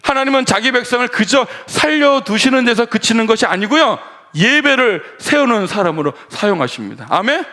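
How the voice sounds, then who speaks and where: A man preaching a sermon as pastor, asking the congregation questions and acting out imagined dialogue in a slower, hushed tone. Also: very high-pitched, very animated.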